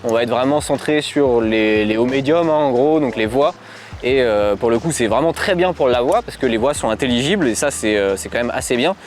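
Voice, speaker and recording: A man's voice: medium pitch, lively intonation, brisk. A man with a French accent giving a casual, conversational product review, explaining things as he goes. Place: outdoors on a cycling outing. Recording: clear outdoor ambient and traffic noise.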